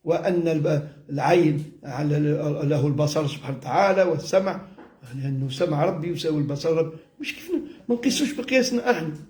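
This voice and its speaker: A man's voice: fairly high pitch, expressive, quick pace, a little mellow. A man with a Tunisian accent giving an informal religious lesson, mixing classical Arabic with dialect, explaining by repetition and everyday examples. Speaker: religious teacher, sheikh. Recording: echoey room.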